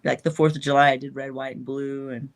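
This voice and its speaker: A woman's voice: rumbling low, flat delivery, a little fast. A woman guest chatting casually in an interview, rambling and trailing off, laughing often.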